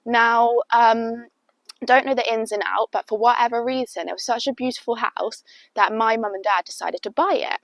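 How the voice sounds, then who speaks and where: A young British vlogger with a sniffly cold rambles through a chatty personal storytime for her viewers, leaning heavily on "like." Her voice is fairly high with fairly even intonation, at a moderate pace, in a dry recording.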